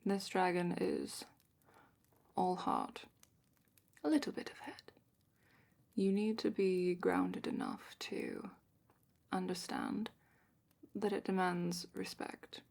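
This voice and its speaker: A woman playing a calm, matter-of-fact dragon expert in a hushed, partly whispered fantasy ASMR roleplay, explaining without hurry in a breathy voice. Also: on the low side, takes it slowly, long pauses, heavily acted. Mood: calm, instructive.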